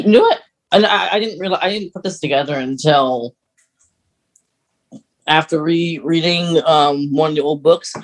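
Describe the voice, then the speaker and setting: A man's voice: sits high, low-quality recording. A man co-hosting a podcast in casual fan chat, often restarting his sentences mid-thought. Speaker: podcast co-host.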